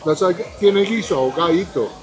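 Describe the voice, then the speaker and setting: A man with a notably high voice serves at a restaurant, explaining each dish. He lists ingredients plainly and tells the guest what to try next. Clear music plays behind him. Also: a little fast, a little mellow. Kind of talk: explaining food.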